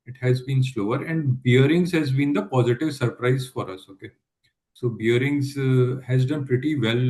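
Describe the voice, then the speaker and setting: A man with an Indian accent, an investor putting a question in a halting way on a conference call. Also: mid-range voice, rough recording.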